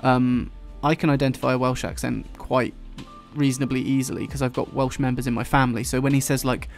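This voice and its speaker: Gravelly English guy chatting while drawing. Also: mid-range voice, little pitch movement, a little fast, faint music behind. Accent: English, London-influenced. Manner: rambling, swears casually, drops his t's. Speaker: YouTuber drawing on stream. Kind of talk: casual chat while drawing.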